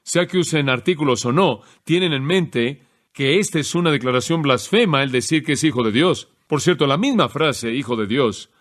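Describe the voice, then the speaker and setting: A man preaching an expository sermon, explaining a text in a measured teaching manner and slowing down to stress key phrases. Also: mid-range voice, lively intonation, a bit bright.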